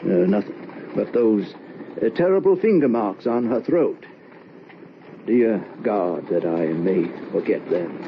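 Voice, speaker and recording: An actor playing a nervous, evasive middle-aged widowed father in an old-time radio drama, halting and stammering in agitation. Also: fairly low pitch, lively intonation. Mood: grieving, grim. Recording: dull, noisy old radio recording.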